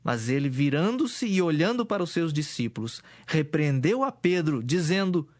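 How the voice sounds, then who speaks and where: A man reads scripted Bible narration in a measured and solemn way. His voice is fairly high for a male narrator, and soft music plays behind him. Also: lively intonation.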